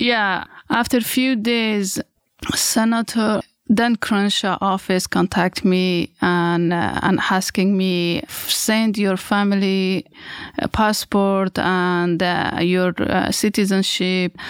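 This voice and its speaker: The speaker has an Afghan accent and talks very slowly, with fairly even intonation. Loudness stays very even, and the sound is dry and close with no echo. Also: woman, medium pitch for a woman. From Afghanistan, Kabul. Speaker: refugee and community advocate. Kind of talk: interview conversation. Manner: halting, with many fillers.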